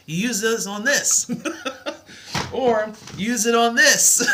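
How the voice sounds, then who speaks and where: A woman's voice: mid-range voice, sharp tone. A middle-aged woman teaching a live math lesson, with a soothing voice and an encouraging, reassuring way of talking. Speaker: math tutor.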